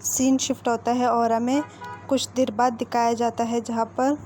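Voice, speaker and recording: A woman's voice: fairly high pitch, little pitch movement, moderate pace, darkish tone, slight background noise. A woman retelling a fan fiction story in a conversational way, linking each quote with "so he says".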